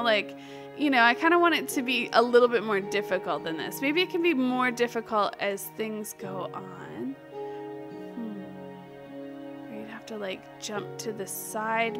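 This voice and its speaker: A woman giving casual, chatty gaming commentary, giggly and excitable, often talking to herself as she plays. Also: on the high side. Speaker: gaming video host.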